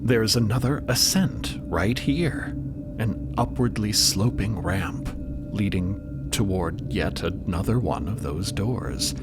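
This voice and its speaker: A man's voice: fairly low pitch, expressive, takes it slowly. A man giving scripted dramatic narration for a story podcast. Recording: loud music under the voice. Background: loud music.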